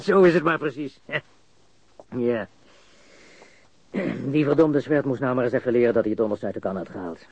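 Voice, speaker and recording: A man's voice: mid-range voice, normal speed, pauses often, breathy edge, dry recording. A cocky, nervy criminal in a radio crime drama, with a dry, close sound. He stammers, repeats himself and swears while confessing to his interrogator. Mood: smug, amused. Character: cocky, jittery male criminal suspect confessing under questioning.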